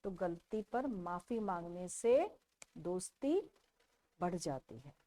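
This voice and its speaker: A woman teaching a children's textbook lesson, repeating each question and answer slowly for young pupils. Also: on the low side, animated, warm tone.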